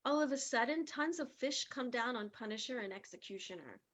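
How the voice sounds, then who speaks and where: A woman's voice: a little high, expressive, fairly quick, a bit bright. A woman reading scripted stage directions for a staged reading of wrestling promos. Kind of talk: scripted narration of wrestling scenes.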